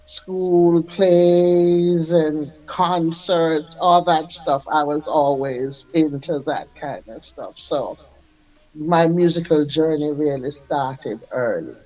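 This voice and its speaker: An older man, a music artist recalling his career in an unhurried, reflective way as a radio guest. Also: fairly high pitch, darkish tone, muffled recording. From Jamaica. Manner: unhurried, reflective, laughs often. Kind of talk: radio interview.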